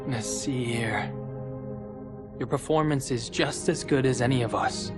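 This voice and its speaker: A man's voice: mid-range voice, unhurried, natural voice. Man acting earnest young cadet over music. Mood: gently reassuring. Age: young adult. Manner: encouraging, earnest. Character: earnest, supportive young male mech cadet, steady leader. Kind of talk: video game cutscene acting.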